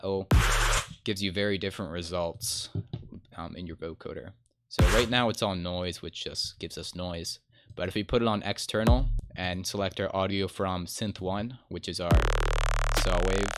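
A man in his twenties giving a casual, laid-back music production tutorial in an informal, colloquial way. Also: low voice. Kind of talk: casual screen-share tutorial. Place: indoor room at a computer desk. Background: loud electronic synth sounds.

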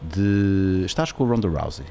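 A man's voice: low voice, lively intonation, moderate pace, warm tone, a little hiss or hum. A man hosting a casual chat, teasing and joking with his guest. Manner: teasing, jokey interviewer.

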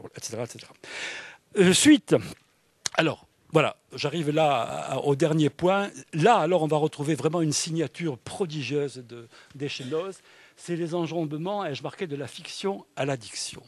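A man gives an academic lecture on literature, with a slightly high voice and an eager, marvelling delivery. He reads short passages aloud, filling his talk with "alors" and "hein". The recording is dry, with little room sound. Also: dry recording. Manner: enthusiastic, fond of "alors" and "hein". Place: public library event.

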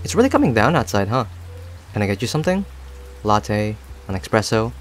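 Man voicing a friendly barista for roleplay audio: talkative, attentive, lively intonation, music and rain underneath. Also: on the low side, a little fast. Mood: friendly, chatty. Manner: chatty, rambling, gently attentive. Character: friendly, talkative young male cafe owner and barista. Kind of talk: scripted roleplay audio addressed to the listener. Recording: soft music and rain behind. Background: music and rain sounds.

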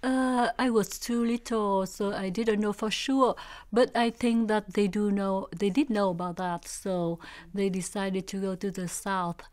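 A woman in her sixties with a Vietnamese accent tells her family story in an interview. She speaks slowly and haltingly, searching for her English words. Her voice is smooth and clear, at a middling pitch. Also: fairly even intonation, a little mellow. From South Vietnam. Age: 60s. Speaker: oral history interviewee. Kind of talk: recalling family history in an interview. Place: indoor studio with backdrop.

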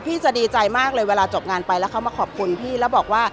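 A middle-aged woman event organizer answering interview questions matter-of-factly, often restarting her words, into press mics in an indoor hall. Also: fairly high pitch. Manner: fast, matter-of-fact, with repeated restarts. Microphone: several handheld press mics.

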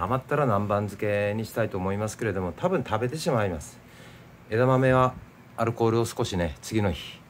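A middle-aged man with a Nagasaki accent talks in an easygoing, chatty way over food and drink at home. His voice sits fairly low, and a faint hum of room sound stays behind it. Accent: Nagasaki dialect. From Nagasaki, Japan. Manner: easygoing, chatty, explains local words. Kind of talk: casual chat while eating and drinking.

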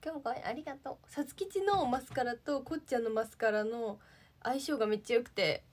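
A slightly high-voiced young woman from Japan chats casually into her phone. She sounds bubbly and talkative as she reads viewer comments and thanks them one by one. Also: fairly quick. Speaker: idol livestreamer. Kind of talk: casual livestream chat reading comments.

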